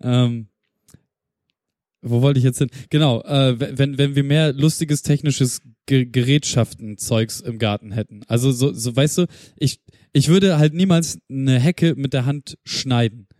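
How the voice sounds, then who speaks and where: A man's voice: mid-range voice, measured pace, darkish tone, no echo, clean studio sound. A man co-hosting a casual podcast chat, rambling and interrupting himself, with casual swearing. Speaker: podcast co-host.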